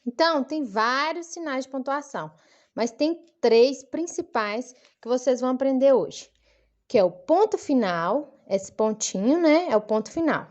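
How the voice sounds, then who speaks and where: A woman teaching a children's lesson, speaking slowly and clearly in a sing-song manner for young kids. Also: sits high, animated, darkish tone, dull audio. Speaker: primary school teacher. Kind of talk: recorded online lesson for children.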